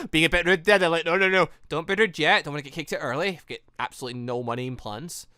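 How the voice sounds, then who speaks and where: A man's voice: fairly high pitch, quick pace, sharp tone, dry recording, studio quality. A man giving rambling commentary on a visual novel game, exclaiming and breaking off mid-sentence. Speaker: gaming channel host, let's player.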